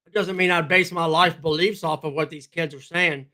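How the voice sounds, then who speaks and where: A man hosting a political commentary livestream, blunt and combative, talking straight to his chat with a voice going hoarse. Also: a little high, steady tone, normal speed, sharp tone. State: losing his voice, clears throat. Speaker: livestream host.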